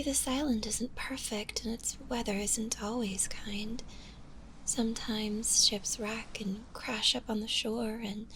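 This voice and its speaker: A woman voicing a shy, gentle undead zombie girl in an ASMR roleplay, speaking softly and breathily in a hesitant, bashful way, often in a whisper. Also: a little high, slight background noise, poor audio. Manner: hesitant, bashful, halting with small giggles.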